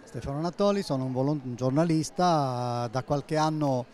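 Measured retired man in his sixties. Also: medium pitch, darkish tone. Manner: measured, with fillers. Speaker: journalist and interviewee. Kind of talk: interview at a book fair stand. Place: exhibition hall stand. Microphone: handheld interviewer mic.

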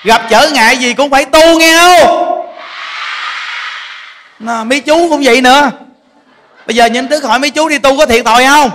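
Speaking at a moderate pace with long pauses, a monk with an extremely high, fairly bright voice delivers a homespun Dharma talk. He coaxes his temple congregation along with questions. The recording picks up the big hall's lingering reverb and a little noise.

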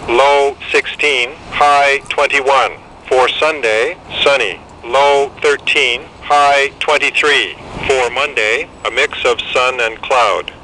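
A synthetic man's voice reads an automated weather forecast in a segmented, pieced-together delivery through a small handheld radio speaker, recorded by a camera held near it. The voice is medium-pitched, steady, slow, and sharp, in a low-quality recording with slight background noise.

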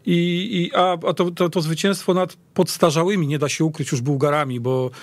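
A man's voice: a little high, steady tone, brisk, no room sound. A man discussing football casually as a guest, often stammering and restarting his phrases. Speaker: radio podcast guest commentator.

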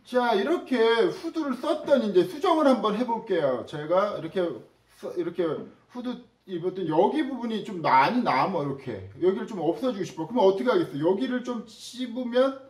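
A man's voice: high voice, big pitch swings, a little fast, reverberant, recorded from a distance, rough recording. A man teaching a casual sewing tutorial, chatty and demonstrative, talking straight to his viewers as he works. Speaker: sewing instructor.

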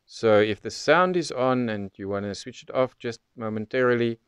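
A man's voice: mid-range voice, animated, normal speed, clean tone, no echo, studio quality. A man presenting an unscripted product demonstration, explaining things methodically, step by step. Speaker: presenter of radio tutorial.

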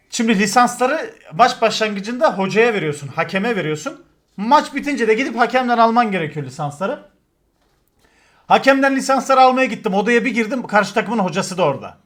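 A man, telling crude football stories to his stream chat in a casual, animated way, swearing and acting out shouts. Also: extremely high pitch, moderate pace.

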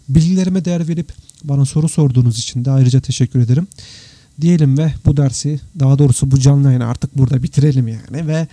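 A man's voice: medium pitch, warm tone, no echo. A tired man with a slightly worn voice, chatting informally as he hosts a live question-and-answer stream. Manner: chatty, informal, addresses viewers as friends. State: tired, slightly worn voice after three hours of talking. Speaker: live stream host, 3D visualization teacher. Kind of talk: casual live Q&A, reading out and answering viewer comments. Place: indoors, computer live stream with screen share.

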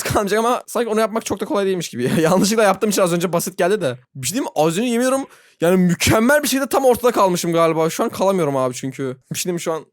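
A gaming YouTuber giving excitable Roblox gameplay commentary, talking straight to viewers, self-mocking and frustrated, moving from low muttering to sudden squeals. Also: no echo, clean studio sound. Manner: talks to viewers directly, laughs often.

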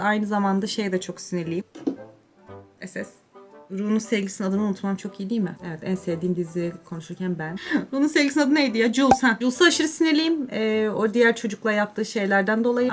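A young woman chatting casually to her viewers while doing her makeup, self-mocking and drifting into mutters. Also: medium pitch. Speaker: beauty vlogger.

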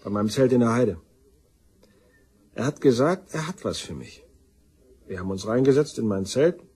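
Actor as a husky, boozy black-sheep brother. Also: male voice, medium pitch, dark tone, natural voice. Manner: colloquial, slangy, self-deprecating. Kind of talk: German crime radio drama acting.

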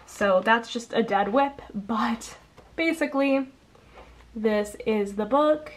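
A young woman who sounds congested, chatting casually as a coloring channel host, rambling with lots of ums and quick self-corrections, recorded indoors at a table. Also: a little high. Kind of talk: casual haul video chat.

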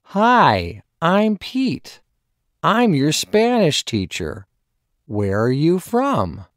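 Slow, animated man reading lesson dialogue. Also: fairly high pitch, no echo, studio quality. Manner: slow, clearly enunciated. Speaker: dialogue reader. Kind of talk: scripted language-lesson dialogue.

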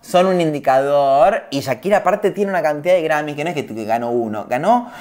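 This is a woman with a Rioplatense accent gossiping casually about celebrities. Her voice sits low, but her pitch jumps around a lot. She rambles and drops teasing, opinionated asides as she goes. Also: lively intonation, a little fast, darkish tone. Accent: Rioplatense Spanish.

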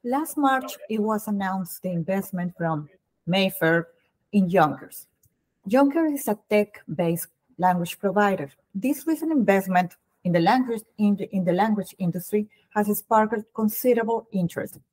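A woman's voice: medium pitch, expressive, normal speed, a little mellow, low-quality recording. A woman in her thirties with a Colombian accent, hosting a casual interview over a video call, chatty with frequent restarts. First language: Spanish. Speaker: host. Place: home room.

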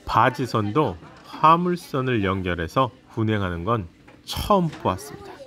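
A man narrating a travel vlog in a calm voice-over with light humor. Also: lowish voice, normal speed.

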